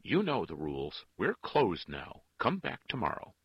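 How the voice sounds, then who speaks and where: A man's voice: a bass voice, fairly quick, husky, no room sound, lo-fi sound, heavily acted. A man voicing a stern, practical nun of about fifty with a curt, cross, authoritative manner in an audiobook. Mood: curt, firm.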